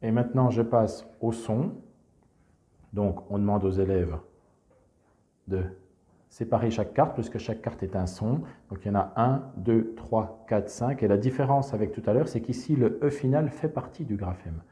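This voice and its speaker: A man calmly walking teachers through a classroom exercise, explaining step by step with frequent verbal fillers. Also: fairly low pitch, moderate pace. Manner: calm explanatory, frequent "donc" and "hein". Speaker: teacher presenting a reading method. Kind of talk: instructional screencast walkthrough.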